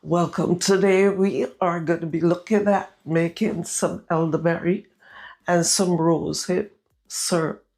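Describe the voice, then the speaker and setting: A woman with a Barbadian accent talks viewers through a recipe in her home kitchen, chatty and unhurried. Her voice is naturally husky and sits fairly low, with a gravelly fry, and a sore throat makes it raspier still. She speaks at a very slow pace. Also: fairly even intonation, darkish tone. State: raspy, irritated throat. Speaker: home cooking vlogger. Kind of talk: casual recipe vlog.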